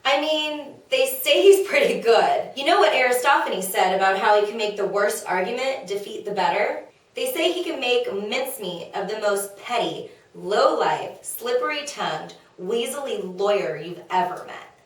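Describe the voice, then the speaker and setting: A woman's voice: fairly high pitch, lively intonation, normal speed, lightly acted. A woman playing an exasperated, insecure wife in a comedic table read, with a plaintive, griping, colloquial delivery. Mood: doubtful. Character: exasperated, henpecking young-to-middle-aged wife of Socrates, insecure. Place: echoey room, away from mic. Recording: very echoey room, distant mic.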